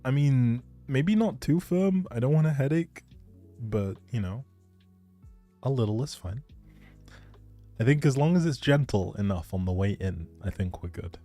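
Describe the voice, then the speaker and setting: A man's voice: mid-range voice, lively intonation, measured pace, long pauses, mellow, faint music behind. A man chatting casually to viewers on a game livestream, musing aloud as he plays. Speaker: game streamer. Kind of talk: casual livestream chat while playing a life-simulation game.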